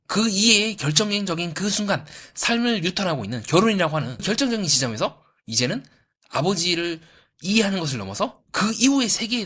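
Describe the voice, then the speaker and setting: A husky-voiced male YouTube commentator analyzes a reality show from a psychoanalytic angle, speaking quickly with a lively, swinging pitch. He poses rhetorical questions and answers them himself, acting out the voices he quotes.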